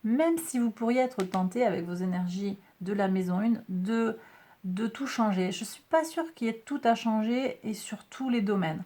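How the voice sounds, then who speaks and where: A woman with a mellow, medium-pitched voice gives a casual monthly tarot and astrology forecast at a moderate pace. She's chatty and reassuring, talks to her viewers directly as a group, and sprinkles her sentences with "hein" and "d'accord."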